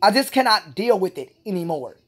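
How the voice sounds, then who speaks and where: A fairly quick, husky woman's voice at medium pitch, with a sing-song lilt. She's a Special Olympics athlete venting in a vlog monologue, and her rant is frustrated, profane, and repetitive.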